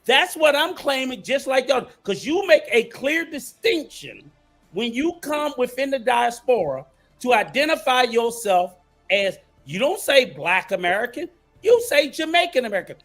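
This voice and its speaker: A man's voice: very high-pitched, very animated, moderate pace, a bit bright, faint music behind. A man on a podcast panel debating heatedly, insisting on finishing his point.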